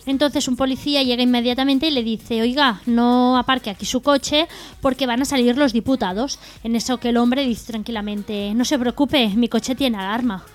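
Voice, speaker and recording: A woman co-hosting a radio humor show, reading jokes aloud in a brisk, even way. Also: on the high side, faint music behind.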